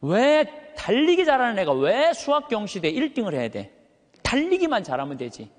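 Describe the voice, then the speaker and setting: High, full-voiced male priest in a reverberant hall. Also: wildly swooping pitch, moderate pace. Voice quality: high but thick, full voice that carries. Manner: emphatic, uses rhetorical questions and stretched words for effect. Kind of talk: animated motivational sermon to a live audience. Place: large hall, speaking to an audience.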